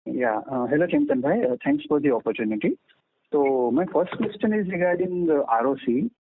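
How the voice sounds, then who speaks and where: A man's voice: on the high side, very animated, brisk, slight background noise. A man with an Indian accent calling in as an individual investor, asking methodical, polite questions on an earnings call. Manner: polite, methodical, checks his reasoning. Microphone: phone call. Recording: dry, thin phone-line sound.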